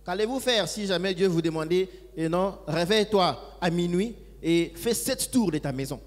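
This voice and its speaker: A man with a slightly high voice interpreting a preacher line by line. He keeps close pace with each phrase and sometimes hesitates. A long hall echo follows his words. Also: moderate pace. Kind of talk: live sermon interpretation. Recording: echoey hall.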